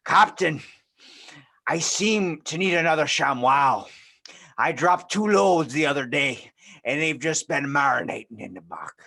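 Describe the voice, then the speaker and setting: Hapless one-eyed pirate sailor , played by a man, crude comedy, theatrical drawn-out griping, sharp forceful tone. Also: on the high side, expressive, full character voice. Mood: crude, complaining. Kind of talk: improvised comic role-play.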